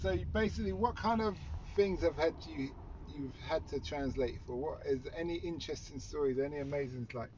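A man's voice: fairly high pitch, brisk, highs cut off, noisy background. A man hosting a casual, spontaneous interview inside a taxi, asking loose conversational questions. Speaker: podcast host interviewing taxi passengers.

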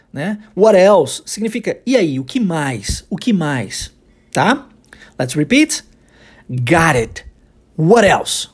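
A man whose first language is Portuguese, teaching English phrases in a podcast lesson and repeating each phrase slowly for learners. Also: high-pitched, slightly rough.

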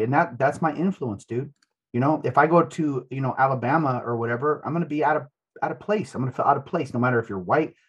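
Husky laid-back Southern Californian man. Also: mid-range voice. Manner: laid-back, says bro and dude a lot. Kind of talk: casual chat.

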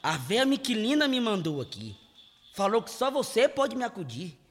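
A man's voice: high-pitched, sing-song, moderate pace. A man playing an earnest, lovesick cowboy in a Brazilian radio play, speaking in a dramatic, pleading way. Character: earnest lovesick cowboy searching for his beloved. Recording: music behind, long reverb.

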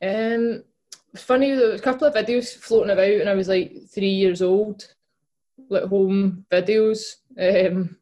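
A woman's voice: mid-range voice, steady tone, a little slow, dark tone. A young woman with a Glaswegian accent, a guest chatting casually in an interview, with lots of fillers and restarts. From Scotland. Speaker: guest, footballer and podcast co-host.

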